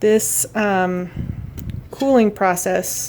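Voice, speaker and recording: A woman talks at a very slow pace, medium in pitch with fairly even intonation. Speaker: home cook and food preservation vlogger. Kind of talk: tutorial; casual chat. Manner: hesitant with frequent ums. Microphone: camera far from her, has to talk loudly.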